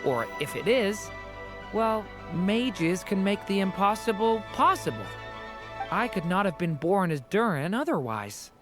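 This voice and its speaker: An actor voicing an earnest, hopeful young mage with abyssal power in a game. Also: male voice, high voice, sing-song, a little slow. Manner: earnest, hesitant questions. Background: game music.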